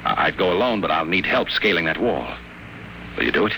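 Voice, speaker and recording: Deep, animated, inquisitive man on old radio. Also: heavily acted. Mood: bold, persuasive. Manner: brisk, probing, casual. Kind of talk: 1950s radio drama acting with first-person narration. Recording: very noisy old 1950 radio broadcast.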